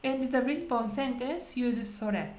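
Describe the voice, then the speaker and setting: A woman's voice: on the high side, measured pace, a little mellow. A native Japanese woman with a Japanese accent, leading a casual language lesson, asking questions and explaining step by step. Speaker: host leading English conversation practice. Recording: roomy, echoing sound.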